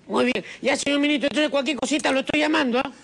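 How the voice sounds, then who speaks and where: A man's voice: very high-pitched, fast talker, gravelly, a bit bright. A man making a comic prank phone call, wheedling and scheming, calling everyone brother. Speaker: prank caller.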